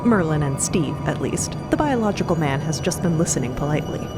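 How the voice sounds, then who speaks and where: A woman's voice: deep voice, animated, brisk, over loud music. A woman giving scripted narration in a fiction podcast. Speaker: narrator and cast member.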